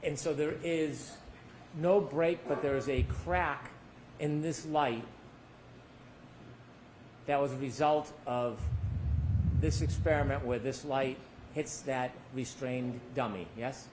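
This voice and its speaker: A man's voice: mid-range voice, fairly even intonation, slow, long pauses, a little mellow, a little hiss or hum, low-quality recording. A man working as a defense attorney, cross-examining a witness with pointed leading questions that end in tags, heard in a courtroom recording.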